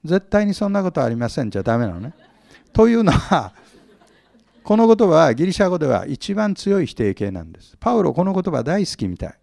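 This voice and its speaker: A man's voice: on the high side, very animated, a little fast, gravelly, a little mellow, no room sound. A male pastor teaching from the Bible, often asking his audience questions, stressing words with force and acting out small humorous scenes. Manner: humorous, acts out little scenes.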